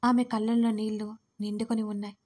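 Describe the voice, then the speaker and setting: A woman narrating a serialized romance audio story in an even, measured reading. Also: medium pitch, breathy edge.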